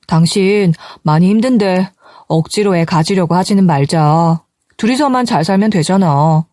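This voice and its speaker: A gentle, devoted young husband, as a woman narrator puts him on, voice dropped low and soft. He reassures calmly, recorded close and dry for a story narration. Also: no echo, close to an everyday voice.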